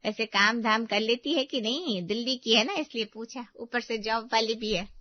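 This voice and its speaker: Nosy middle-aged neighbor woman, put on by a female narrator, drawn-out prying lines, dry and dull. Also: on the high side, dry recording, natural voice.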